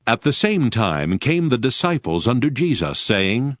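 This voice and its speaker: A man's voice: mid-range voice, very animated, a little slow, no echo, clean studio sound. A man narrating scripture as part of a dramatized Bible reading.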